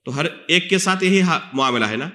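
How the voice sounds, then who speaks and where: A man with an Indian Urdu accent preaches in a mosque with a bright, forceful voice pitched somewhat high. He teaches as he speaks, asking questions and answering them himself. His voice rings through the echoey hall. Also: expressive. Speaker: Islamic scholar. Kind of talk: religious lecture.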